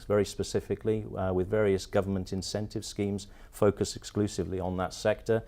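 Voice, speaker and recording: A British man speaks in a fairly low voice as he presents his company to investors. He talks like a managing director working through a presentation, with halting phrasing and frequent filler pauses. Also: darkish tone. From partly Turkey, mostly the UK.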